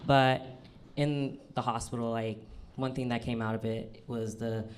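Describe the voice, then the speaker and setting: A young trans man telling self-deprecating stand-up stories on a comedy club stage, halting often with ums and uhs. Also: steady tone. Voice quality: fairly low, manly voice. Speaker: stand-up storyteller. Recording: live club recording with audience noise. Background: audience laughter.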